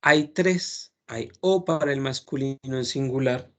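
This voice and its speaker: A man teaching a French lesson, explaining patiently and repeating words slowly to model pronunciation. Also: mid-range voice, fairly bright tone.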